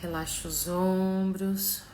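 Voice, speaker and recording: A Brazilian woman leads a guided relaxation and visualization in a slow, gentle, soothing manner with long pauses. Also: mid-range voice, level tone, a little hiss or hum. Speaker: mentor and therapist leading a live session. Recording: echoey room sound.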